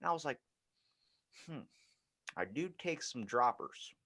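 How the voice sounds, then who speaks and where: A man's voice: medium pitch, lively intonation, unhurried, sharp tone. A man hosting a casual comedy podcast, telling rambling, profane anecdotes in a loose, crude way. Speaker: podcast host.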